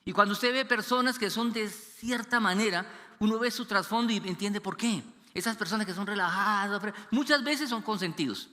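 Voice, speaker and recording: A man preaching a sermon as pastor, animated, acting out quoted voices and dropping low and quiet for serious stories. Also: moderate pace. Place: church hall. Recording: long church reverb.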